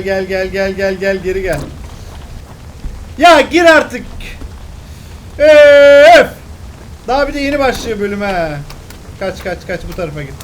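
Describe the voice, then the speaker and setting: An excitable young man talks his way through a video game, his voice sitting high for a man. He keeps up casual let's-play commentary, muttering to himself and bursting out in sudden exclamations. A faint hiss of noise sits under his voice. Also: poor audio. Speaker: gameplay commentator.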